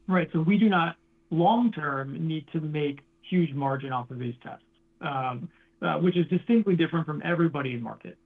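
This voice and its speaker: A man with a fairly high voice and a creaky edge answers questions as a company executive on an earnings call. He restarts phrases and leans on business jargon. The audio is very dull and narrow.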